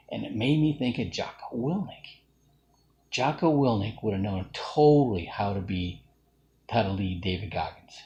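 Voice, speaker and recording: A man's voice: fairly low pitch, darkish tone. A middle-aged man from Alabama, talking through a casual, rambling self-reflective monologue full of fillers and restarts. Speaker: vlogger.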